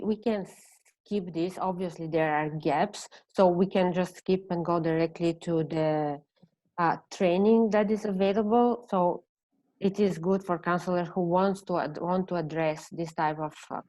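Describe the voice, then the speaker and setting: A woman from Bulgaria with a Bulgarian accent presenting an online seminar, speaking haltingly as she searches for words in non-native English. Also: on the low side, a little mellow, no echo, poor audio. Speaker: presenter, counselor.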